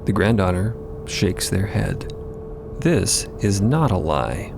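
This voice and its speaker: A man's voice: deep voice, sing-song, slow pace, gravelly, background noise. A man reading dramatic scripted narration for an audio story.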